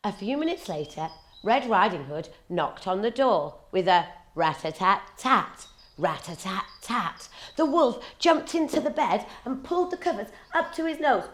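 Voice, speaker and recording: A woman narrating a fairy tale for children in a dramatic, deliberate, expressive way. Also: mid-range voice. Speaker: children's storyteller. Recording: echoey room.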